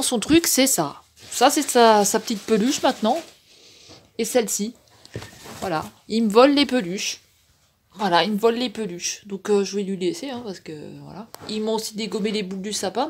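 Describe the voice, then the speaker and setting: A woman's voice: medium pitch, slight background noise. A woman vlogging casually at home, chatting to the camera and talking to her pets in a sing-song voice. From France. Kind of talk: casual vlog chat.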